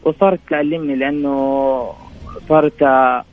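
A man calling in to a radio show, sounding distant and quiet, as if holding the phone away, and telling his story haltingly with many fillers. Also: fairly high pitch, steady tone. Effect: distant, quiet phone line, as if the phone is held away. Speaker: caller. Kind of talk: call-in to a charity radio show. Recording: muffled phone call.

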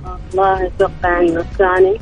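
A woman's voice: mid-range voice, big pitch swings, quick pace, gravelly, soft background music. A woman calling in to a radio contest from her car, heard over an unclear hands-free headset line and giving short, polite replies. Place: in a moving car. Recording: distant, muffled phone line.

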